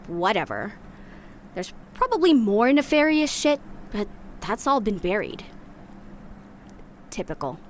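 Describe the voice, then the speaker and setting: A woman's voice: medium pitch, slight background noise, close to an everyday voice. An actress playing a bitter, sardonic woman in a sci-fi audio drama, ranting conversationally with sarcastic, mock-dramatic asides. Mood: dry, sardonic.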